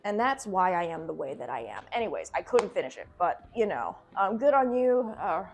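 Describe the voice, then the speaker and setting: Woman, slightly low voice, casual video essay host, sarcastic, irreverent, sweary, theatrical delivery, music behind. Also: sing-song, fairly quick. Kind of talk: casual, joking video commentary on a horror series. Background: background music.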